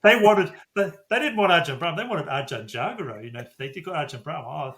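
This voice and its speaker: A man's voice: fairly high pitch, lively intonation, fairly quick, fairly bright tone. A man hosting a podcast interview, conversational and affirming, laughing readily. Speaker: podcast host. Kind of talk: casual interview chat.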